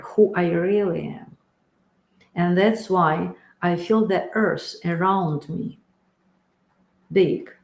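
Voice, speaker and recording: Recorded on a webcam or phone camera in an echoey room at home, a spiritual teacher leads a guided meditation. Her voice is gravelly and on the low side, and she speaks slowly and calmly, with frequent pauses and fillers.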